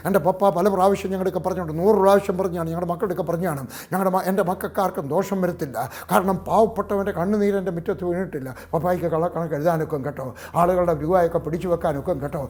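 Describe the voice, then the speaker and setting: A middle-aged man preaches with force, his voice sitting a little higher than most men's. He keeps breaking into hallelujahs and fires question after question at the congregation. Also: steady tone, very fast, few pauses, darkish tone. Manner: emphatic, calls out hallelujah, fires rhetorical questions at the audience. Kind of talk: Pentecostal sermon.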